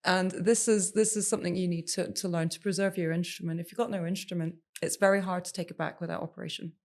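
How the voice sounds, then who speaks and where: A woman's voice: lowish voice, steady tone, fast. A woman who is a singer and former TV presenter, speaking as a podcast guest and giving voice-care tips with emphatic repetition. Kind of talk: podcast interview.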